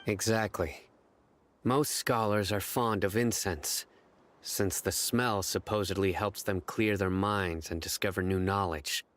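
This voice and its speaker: A man voicing a stern, composed investigator in a video game, measured, terse and deadpan. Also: low-pitched, a little hiss or hum. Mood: analytical.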